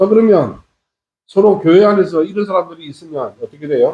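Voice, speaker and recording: Pitched high, a man speaks with a dark, mellow tone. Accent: Gyeongsang. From Gyeongsang region, South Korea. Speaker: pastor. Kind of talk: sermon.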